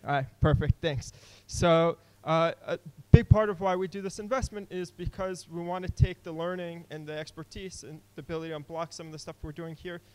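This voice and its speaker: A man's voice: on the high side, fairly even intonation, brisk, few pauses, a little mellow, smooth, rough recording. A young man giving a casual technical talk at a conference, with many fillers and restarts. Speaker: conference speaker. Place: conference hall.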